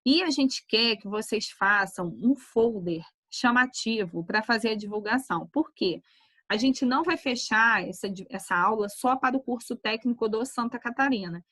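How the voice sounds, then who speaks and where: A woman talks casually to her students in an animated storytelling manner. Her voice sits fairly high and the recording is dry and close. She slips into quoted voices as she tells the tale. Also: normal speed, no room sound. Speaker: nursing teacher. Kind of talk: casual class talk, storytelling. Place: online class.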